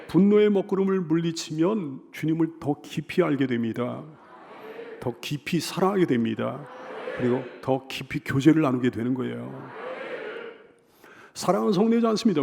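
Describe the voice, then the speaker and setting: Male pastor, sermon delivery, high and gravelly, emphatic repeated calls and rhetorical questions. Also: warm tone. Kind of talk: Sunday sermon.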